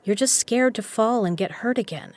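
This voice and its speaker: A woman's voice: fairly high pitch, animated, moderate pace, darkish tone, dry recording. A woman acting in an audio drama as a confident, teasing poker player who is frank and caring. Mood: caring, insistent.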